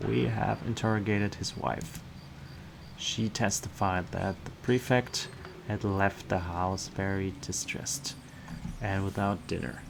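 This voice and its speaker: Guy voicing a weary cynical city guard in a game, blunt, lowish voice, noisy background. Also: steady tone, takes it slowly, vocal fry, exaggerated voice. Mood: matter-of-fact. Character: gruff, cynical male slum guardsman reporting a murder.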